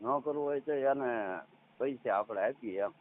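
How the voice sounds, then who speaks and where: A man in his thirties with a Saurashtra Gujarati accent, talking casually as a caller in halting, repeated short phrases. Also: medium pitch, no echo. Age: 30s. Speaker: caller, farmer. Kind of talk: casual phone conversation. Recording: tinny, narrowband phone call recording.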